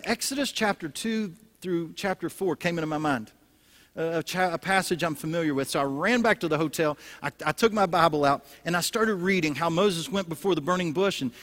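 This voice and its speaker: A male pastor preaching a sermon, telling stories with lively energy and frequent restarts. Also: a little high. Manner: storytelling, animated, frequent restarts. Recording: echoey hall.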